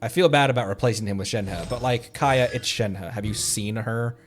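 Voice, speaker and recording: A man streaming a game from home, chatting casually, excitable and rambling, laughing often as he talks. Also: fairly low pitch, normal speed, faint music behind. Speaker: VTuber streamer. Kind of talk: casual gameplay chat.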